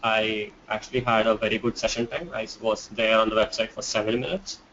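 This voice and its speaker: A man's voice: fairly low pitch, fairly even intonation, a little fast, fairly bright tone, lo-fi sound, a little hiss or hum. A man answering webinar questions as an expert, explaining with examples and rhetorical questions. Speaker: marketing expert panelist.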